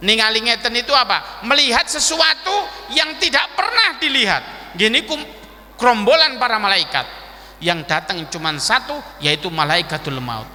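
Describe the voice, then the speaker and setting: A male preacher with a Malang Javanese accent tells a dramatic story in a mosque, acting out the voices and shouting at the peaks. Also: very high voice, lively intonation, normal speed. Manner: dramatic, switching between narration and acted voices, shouting at peaks. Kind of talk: sermon storytelling. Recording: long hall reverb.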